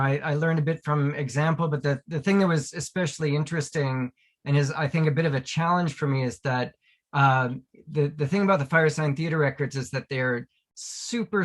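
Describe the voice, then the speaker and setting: A male academic panelist talking conversationally, haltingly, often repeating words as he searches for the next phrase. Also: fairly high pitch, fairly bright tone.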